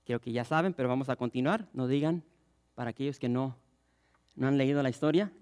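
Passionate pastor preaching. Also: male voice, mid-range voice, a little fast, clean tone. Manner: passionate, acts out crowd shouts and quotes. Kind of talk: sermon.

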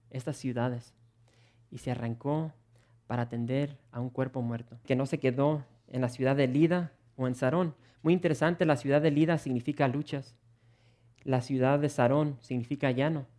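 A man preaching a sermon in an earnest, animated way, repeating words and restarting phrases as he asks his listeners rhetorical questions. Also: medium pitch. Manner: earnest and animated, with frequent word repetitions and restarts.

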